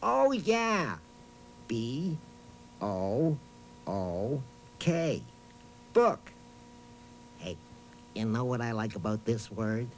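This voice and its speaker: A man's voice: mid-range voice, sing-song, very slow, pauses often, a little hiss or hum, full character voice. A man voicing a friendly, absent-minded talking boot who hosts a children's reading show in a hesitant, chatty way. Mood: cheerful, proud. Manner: hesitant, bumbling, chatty, hums nonsense syllables. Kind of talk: playful children's educational presenting.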